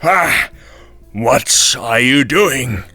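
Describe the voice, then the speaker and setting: A man voicing a gruff, ill-tempered male devil in a storybook reading, with slow, drawn-out, loud delivery. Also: on the low side, lively intonation, soft background music, exaggerated voice. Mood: angry.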